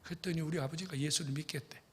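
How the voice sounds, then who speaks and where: A middle-aged male pastor telling a story in a sermon, dropping to hushed whispers and then bursting out loud, repeatedly speaking straight to the congregation. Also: fairly high pitch, steady tone, quick pace, breathy edge. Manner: dramatic, swings between hushed whispers and sudden loud bursts; addresses congregation directly, repeats phrases. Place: church sanctuary. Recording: long church reverb.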